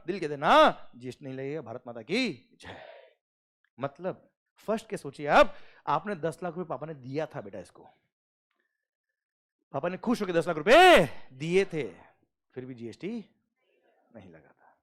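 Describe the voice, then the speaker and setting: A man's voice: fairly high pitch, fairly bright tone. A middle-aged man teaching a class, telling a story and acting out its dialogue.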